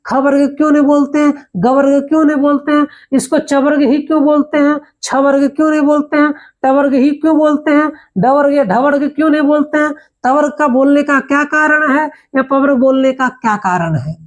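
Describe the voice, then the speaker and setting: A woman gives a spoken grammar lesson in a fairly high voice. She explains patiently, asking rhetorical questions and reaching for everyday examples. When she lists the letters, she sounds each one out slowly and with care. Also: steady tone. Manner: slow, careful recitation of letters. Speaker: Hindi grammar teacher.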